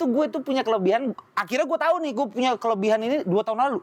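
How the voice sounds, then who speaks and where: A woman talks at a very fast pace in a high pitch, with lively intonation. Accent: Medan. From Medan, Indonesia. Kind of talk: casual conversational.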